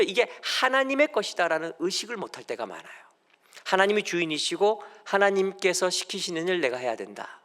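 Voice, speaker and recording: A middle-aged male pastor preaching a sermon in a church, moving between loud urging and soft asides. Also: medium pitch. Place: church sanctuary.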